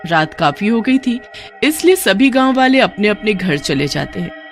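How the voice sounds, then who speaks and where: A woman narrating a cartoon horror story in an even, scripted storybook manner. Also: mid-range voice, normal speed, soft background music.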